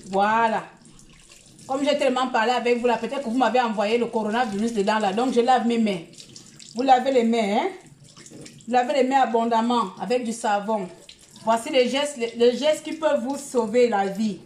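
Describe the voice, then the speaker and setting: There's slight background noise as a woman from Gabon goes live on her phone, chattering at length and repeatedly scolding her audience, half preaching and half chatting. She speaks at a normal speed in a voice that is a little high and a little mellow.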